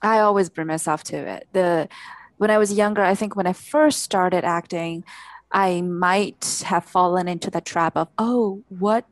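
A woman's voice: on the low side, steady tone, measured pace, no room sound. A woman from China, an actress and coach, talking reflectively and earnestly in an interview, often agreeing with "exactly". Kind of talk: conversational interview.

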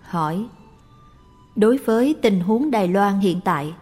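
A woman reading the questions aloud in a plain, even tone for a Buddhist question-and-answer recording. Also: mid-range voice, measured pace. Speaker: reader of the questions. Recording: long reverb with faint background music.

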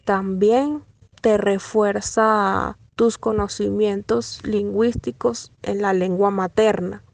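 A woman who works as a professional translator, speaking in a measured, earnest way about her work. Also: medium pitch, fairly even intonation, gravelly. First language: Spanish. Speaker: professional legal and medical translator. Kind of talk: personal testimony, read.

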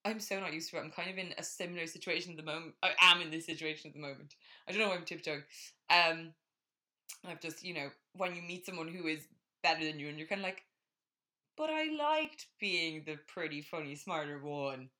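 A young woman from Ireland talks through her dating habits in a loose, self-deprecating ramble. Her voice is bright and sits a little low. She co-hosts a casual podcast. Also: lively intonation, a little fast. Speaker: podcast co-host. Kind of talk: casual chat.

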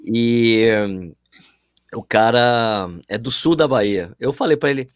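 A man from Northeast Brazil hosts an informal interview and keeps it joking and loose. His voice sits at an average pitch for a man. The sound is dry and close, with no room echo. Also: slow pace. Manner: jokey, informal, says "cara" often. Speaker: host. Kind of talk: casual interview chat.

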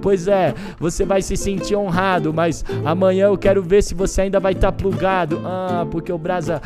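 High-voiced paulistano man freestyle rapping. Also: fairly even intonation, normal speed. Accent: Paulistano Brazilian Portuguese. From São Paulo, Brazil. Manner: boastful, playful rhymes, bursts of laughter. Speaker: freestyle rapper. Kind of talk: freestyle rap over a beat. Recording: music loud behind the voice.

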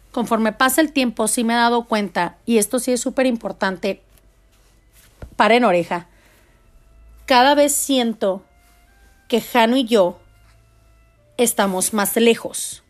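A Mexican mother in her forties, her voice on the high side, tells family stories to her viewers. She is loud, expressive and casual.

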